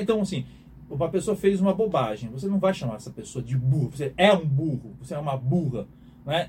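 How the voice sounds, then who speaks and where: A man lectures on communication in an emphatic, questioning way, circling back over his points. His voice sits fairly high yet sounds mellow and warm. A faint hiss stays under him throughout. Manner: emphatic, questioning, repeats himself. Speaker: communication teacher. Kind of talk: lecture to an online audience.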